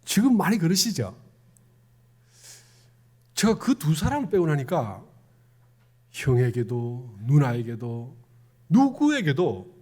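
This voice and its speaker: A man's voice: mid-range voice, darkish tone, husky. A middle-aged man with a Gyeongsang accent, a minister giving a conversational sermon and putting questions to the congregation. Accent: Gyeongsang Korean. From Gyeongsang province, Korea. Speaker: Won Buddhist minister.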